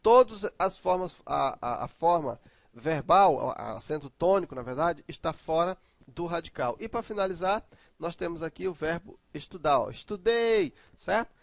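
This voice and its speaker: High-voiced teacher explaining grammar. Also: male voice, lively intonation, moderate pace, creaky, no echo. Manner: explanatory, frequent tag questions, stresses syllables aloud. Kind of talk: grammar lesson.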